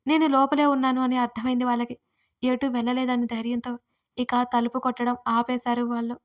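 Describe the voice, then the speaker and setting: A woman author narrating her own first-person audio story in a steady, scripted storytelling delivery. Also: on the high side, a little fast.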